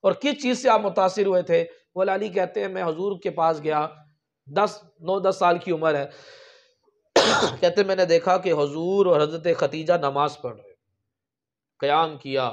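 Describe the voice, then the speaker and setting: A man's voice: high-pitched, unhurried. A man preaching a sermon, telling religious stories with emphatic raised peaks. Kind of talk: storytelling sermon.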